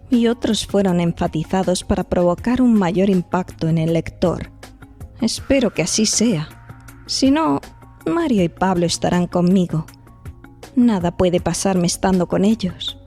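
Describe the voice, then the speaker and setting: An actress playing an eager, thoughtful young investigator in a horror audio drama. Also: female voice, fairly low pitch, warm tone.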